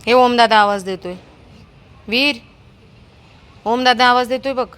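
A woman's voice: a little high, a little slow, a bit bright. Chatty woman coaxing her dog. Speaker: dog owner filming her dog. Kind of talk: casual vlog chat.

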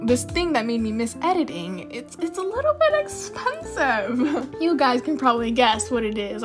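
A young woman chatting casually in a voice-over for her nail tutorial, rambling into asides and laughing often. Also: a little high. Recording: voice-over with faint music.

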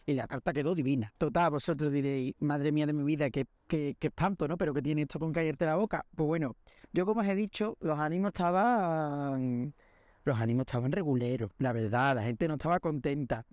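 Recorded in clean studio sound without echo, a young man from Spain hosts a podcast, his voice on the high side. His monologue is full of funny anecdotes, and he animatedly performs the voices of each character.

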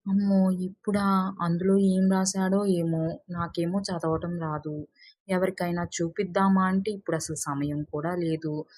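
A woman's voice: fairly low pitch, flat delivery, measured pace, darkish tone, dry recording, studio quality. A woman voicing a poor, anxious male villager thinking fretfully to himself in a moral folk tale. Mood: worried. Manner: fretful inner monologue.

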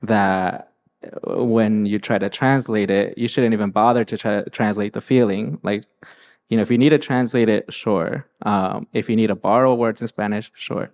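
A young man with a lowish voice, talking casually through a handheld mic on a stage. He sounds relaxed, leaning often on "like" and "um". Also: normal speed. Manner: relaxed, heavy use of "like" and "um". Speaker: guest speaker. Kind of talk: casual panel talk. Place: large hall with a stage.

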